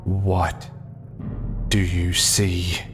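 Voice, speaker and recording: A man voicing a masked cult leader who questions a dead body in a low, half-whispered voice. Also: monotone, extremely slow. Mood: menacing. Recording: distant with music behind.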